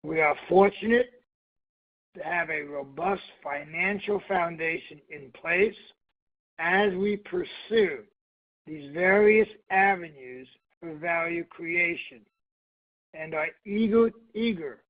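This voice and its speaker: A man speaking formally and emphatically as a company executive on an earnings call, over a muffled phone line. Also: on the high side. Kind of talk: scripted corporate presentation, then brief remarks.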